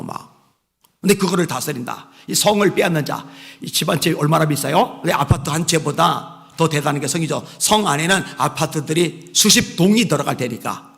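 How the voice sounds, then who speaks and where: A man with a high, gravelly voice preaching a sermon. He moves from shouted exhortations to quiet asides and leads the congregation in repeating phrases after him. The sound carries the long reverb of a church hall. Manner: leads the congregation in call-and-response repetition. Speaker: pastor. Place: church sanctuary.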